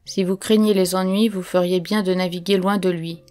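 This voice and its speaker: A woman's voice: fairly low pitch, fairly even intonation, normal speed, dark tone, faint music behind, close to an everyday voice. A woman reading the part of a male onlooker who passes on knowing warnings. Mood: confiding. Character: gossiping man in a crowd, knowing.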